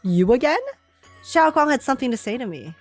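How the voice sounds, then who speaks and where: Female game streamer, highish voice, excitable casual slangy reactions, music underneath. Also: a little fast. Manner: excitable, giggly, slangy, swearing. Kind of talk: casual gaming reaction commentary.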